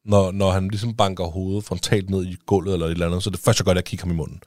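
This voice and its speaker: A man's voice: sits low, level tone, a little mellow, no echo, clean studio sound. A man with a Danish accent, a father talking as a podcast guest in casual chat, rambling with many restarts and fillers.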